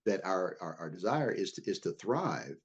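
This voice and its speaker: A man's voice: deep voice, sing-song, normal speed, husky. A man speaking as a guest in a podcast interview, earnest and often repeating words as he builds a point. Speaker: guest, leadership consultant.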